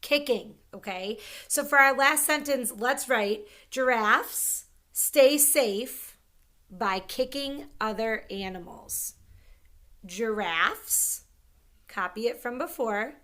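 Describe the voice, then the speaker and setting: Bright, slow-spoken woman teaching young readers. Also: a little high. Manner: slow, clear sounding-out of words; encouraging, upbeat teacher talk. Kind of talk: early-grade reading lesson.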